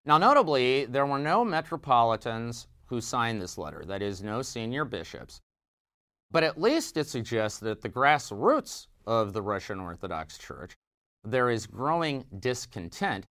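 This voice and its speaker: A man giving spoken news commentary in a lively voice whose pitch swings widely. He talks emphatically, stressing key words and repeating himself as he reworks a sentence mid-thought. His voice sits at an ordinary middle pitch. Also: unhurried.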